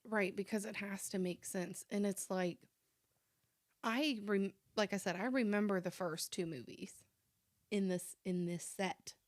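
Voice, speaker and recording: A woman's voice: mid-range voice, steady tone, measured pace, no echo. Woman co-host, dry close sound. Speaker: podcast co-host. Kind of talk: casual conversational commentary.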